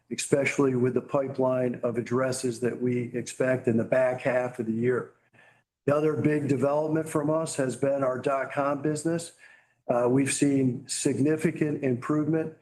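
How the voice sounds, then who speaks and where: A man's voice: medium pitch, a little mellow, poor audio. A man speaking as a company executive, giving business commentary in answer to questions on an earnings call.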